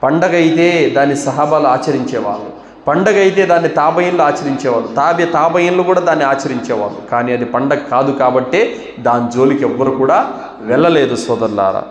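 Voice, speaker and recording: A man giving a Friday sermon in a mosque, asking rhetorical questions and answering them himself, his voice swinging between raised exhortation and low, firm statements. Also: fast talker. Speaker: preacher. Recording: echoey mosque hall.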